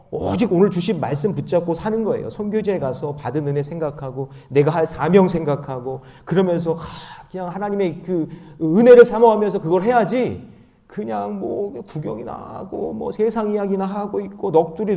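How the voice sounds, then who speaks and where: A male pastor preaching at a dawn prayer meeting. He is animated, swinging from loud emphasis to quiet asides, and leads the congregation in reading scripture aloud. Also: a little high.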